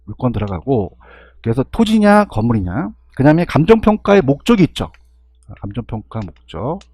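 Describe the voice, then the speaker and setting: A man with a husky voice giving an exam-review lecture, constantly firing rhetorical questions and checking in with his students. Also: medium pitch, big pitch swings, moderate pace, a little mellow, no room sound, studio quality.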